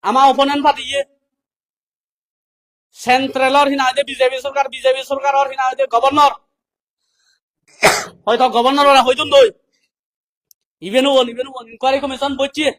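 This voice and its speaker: A man with a South Asian accent giving a political public address, speaking deliberately as he reads out and explains points. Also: extremely high pitch, level tone, a bit bright. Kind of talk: public address, reading English passages and explaining them.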